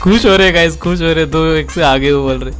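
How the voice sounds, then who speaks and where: Excitable high-voiced young gamer man. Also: fairly quick. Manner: laughing, shouting, teasing. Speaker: gaming streamer. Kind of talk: excited gameplay commentary. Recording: loud game music behind.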